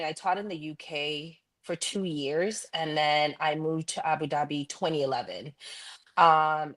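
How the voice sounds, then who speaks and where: A woman from Ghana, raised in Canada, answering interview questions earnestly about her career as a school vice principal. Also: sits low. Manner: earnest, reflective, with frequent ums. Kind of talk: interview answers, candid personal story.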